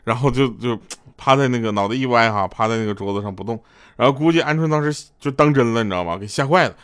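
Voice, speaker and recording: A man with a medium-pitched, slightly bright, clear and resonant voice hosts a comedic radio show, talking fast. He tells jokes in a loose, rambling way, with stumbling restarts, and chuckles at his own punchlines.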